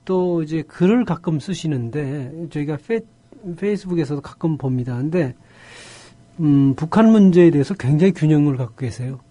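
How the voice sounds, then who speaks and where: A middle-aged man from North Korea with a North Korean accent, co-hosting a talk show in a measured, earnest way. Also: on the high side, dark tone, no room sound. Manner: measured, earnest, praising the guest. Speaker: co-host. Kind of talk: studio talk show chat.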